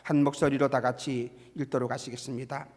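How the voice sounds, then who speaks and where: A man preaching a Sunday sermon as pastor, building to loud repeated rhetorical questions. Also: flat delivery, a little fast, in a large hall. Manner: rises to loud, high-pitched rhetorical repetition.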